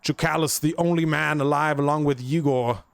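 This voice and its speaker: A man doing an excited, put-on British accent as a theatrical play-by-play caster for a tactical shooter match. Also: a little high, normal speed, vocal fry, clear, resonant tone, no room sound. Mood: hyped. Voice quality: hammy, theatrical hype delivery. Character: excitable male British-style game caster. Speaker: gameplay commentator.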